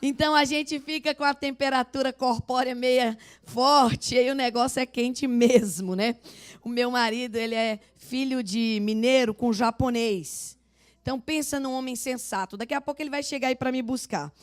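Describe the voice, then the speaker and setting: An older woman pastor from Northeast Brazil with a Northeastern accent, preaching and telling animated stories. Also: moderate pace, smooth. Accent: Northeastern Brazilian Portuguese. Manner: animated storytelling, loud booming laugh; acts out voices of people in her stories. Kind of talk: sermon.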